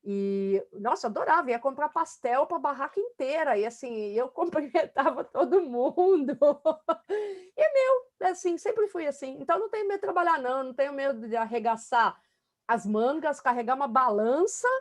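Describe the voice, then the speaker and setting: A woman's voice: high-pitched, lively intonation, moderate pace. A middle-aged woman talking in a casual interview, emphatic and talkative, with many fillers. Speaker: student being coached.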